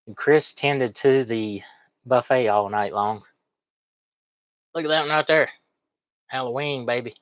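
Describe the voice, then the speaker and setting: A man's voice: medium pitch, a little slow, pauses often, no echo. A man with a cold chats in a rambling, folksy way as he shows items to viewers in a casual livestream. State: sniffly, has a cold. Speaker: online reseller streaming.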